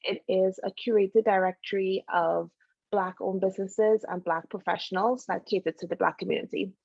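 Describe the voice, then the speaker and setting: Podcast guest: gravelly-voiced woman from Trinidad, chatty and loose, dry muffled sound. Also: medium pitch, steady tone, normal speed, darkish tone, no echo. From Trinidad and Tobago. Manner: chatty, many "you know" fillers. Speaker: guest, doctor and founder. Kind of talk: casual interview conversation.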